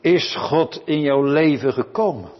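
A man preaching a sermon, earnestly questioning his listeners and rising from quiet to loud pleading. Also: a little high, lively intonation, unhurried. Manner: addresses listeners with direct questions. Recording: lo-fi recording with long church reverb.

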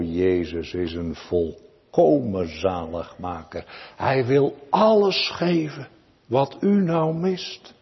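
A man preaching a sermon to his congregation in a church, pleading and swelling then dropping low. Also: husky, in a large hall, dull audio. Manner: pleading, swells and drops dramatically. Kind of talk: Reformed sermon.

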